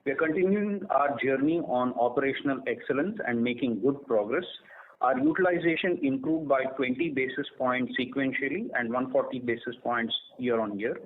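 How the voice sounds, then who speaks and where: Male operations chief, medium pitch, prepared corporate update, phone-like audio. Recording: tinny conference phone line, faint noise.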